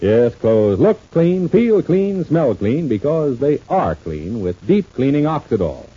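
A man's voice: medium pitch, sing-song, slow, dark tone, slightly rough. A man speaking as an old-time radio announcer, reading scripted ads and narration with a polished salesman's delivery. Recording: muffled, dull old radio recording.

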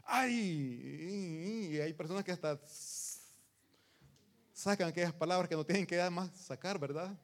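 A pastor delivers a sermon in a voice set a little high for a man. He reads scripture slowly and with weight, then swells to loud emphasis before dropping to near-quiet asides. He speaks warmly and directly to his congregation as brothers. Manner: preaching with sudden loud rises and soft drops; addresses listeners as brothers.

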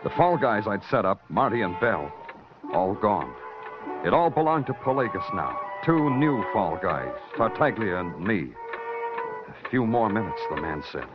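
A world-weary hard-boiled detective speaking in clipped, terse lines, his low voice still rising and falling with some life. The sound is an old, dull radio recording with music playing behind him. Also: big pitch swings, unhurried. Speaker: detective and narrator. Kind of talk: 1950s radio drama acting.

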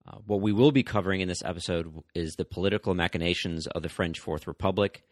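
A man with a very low voice reads his history podcast narration. His delivery is measured, with an occasional "uh" or a restarted word. The recording is close and dry. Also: no echo. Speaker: podcast host.

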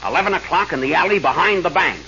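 Animated, bossy gang leader. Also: male voice, fairly high pitch, fast, a little hiss or hum. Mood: bossy, brisk. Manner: commanding, wisecracking. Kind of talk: 1930s-40s radio comedy acting. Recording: muffled old radio recording.

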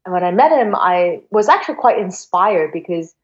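A woman's voice: fairly low pitch, expressive, normal speed. Chatty Hong Kong woman investor, lo-fi. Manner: chatty, many fillers and restarts. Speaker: guest, venture investor. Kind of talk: casual interview storytelling. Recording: dull lo-fi sound.

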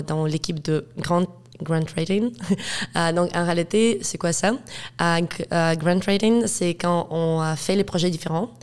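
With a deep, darkish voice that is clear and resonant, an eighteen-year-old Ukrainian woman speaks French as a second language in a casual interview. She is a student guest whose first languages are Russian and Ukrainian, and she has a Ukrainian accent, hesitating with plenty of fillers and laughs.

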